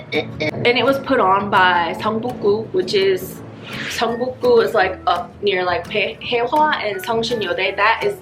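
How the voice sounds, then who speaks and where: A woman vlogger who is a native English speaker, telling stories casually in an animated, slangy way and acting out dialogue. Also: medium pitch. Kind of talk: casual chat to camera, storytelling.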